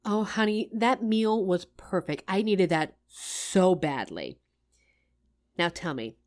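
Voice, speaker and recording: A woman playing a loving, teasing working wife, tired after work, in an affectionate roleplay addressed to the listener. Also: lowish voice. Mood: tender, tired. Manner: affectionate, playful, expressive.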